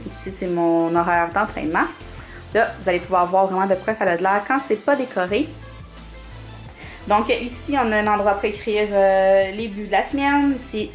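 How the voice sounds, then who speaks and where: A woman's voice: medium pitch, moderate pace. Young Québécois woman, casual show-and-tell vlogger, chatty with lots of fillers, mid-range voice, faint music behind. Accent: Québécois French. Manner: chatty, many fillers, laughs often. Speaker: planner vlogger.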